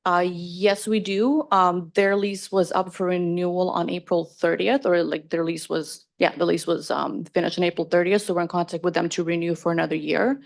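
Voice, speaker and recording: A woman's voice: on the low side, level tone, normal speed, vocal fry, hardly any pauses. A woman from Ukraine, a property owner, answering council questions in a casual way, often saying "like" and "you know".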